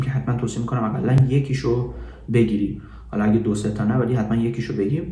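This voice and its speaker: Over noticeable background noise and audible room echo, a man with a Persian accent talks at a fairly low pitch with ordinary pitch variation. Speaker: travel vlogger. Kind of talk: casual travel review monologue. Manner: hesitant with many fillers.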